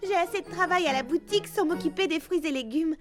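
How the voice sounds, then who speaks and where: A woman's voice: very high voice, fast. A woman voicing a proud, overworked young girl shopkeeper, flustered and emphatic, in a French children's cartoon. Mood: tired, grateful. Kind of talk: French animated children's dub. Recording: background music under dialogue.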